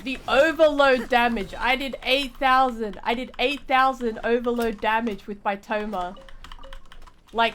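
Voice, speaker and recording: A woman chatting casually on a gaming livestream, playful and often repeating her phrases. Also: medium pitch. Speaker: game streamer.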